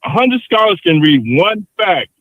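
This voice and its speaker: Man in his 50s, high voice, dry sound, insistent, repeats himself, call-in debate. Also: lively intonation, normal speed, fairly bright tone, no echo, lo-fi sound. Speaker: caller arguing on a live show.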